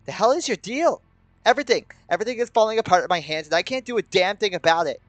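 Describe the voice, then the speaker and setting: Hot-tempered bickering teen, played by a man, combative and sweary, raised pitch, dry sound. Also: lively intonation, very fast, pushed and bright, dry recording. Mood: angry. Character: hot-tempered, bickering inner voices of troubled teens. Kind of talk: dramatic dialogue reading.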